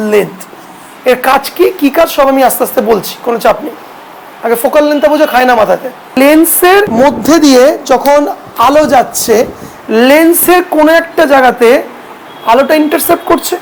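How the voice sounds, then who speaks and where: A woman's voice: high-pitched, slight background noise, low-quality recording. A woman teaching a photography class with a Bengali accent. She asks the students questions and then answers them herself. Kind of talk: classroom lesson.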